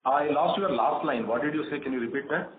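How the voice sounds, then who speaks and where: A man with an Indian accent answering investor questions on an earnings call as a company executive, in measured explanations. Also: medium pitch, over a noisy crowd. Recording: phone-like conference line, echoey, clearly noisy.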